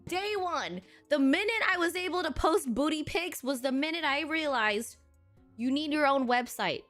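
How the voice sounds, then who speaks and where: A woman's voice: sits high, lively intonation, moderate pace, fairly bright tone, soft background music. A woman of Filipino heritage chatting casually on a live stream, blunt and profane with frequent laughter.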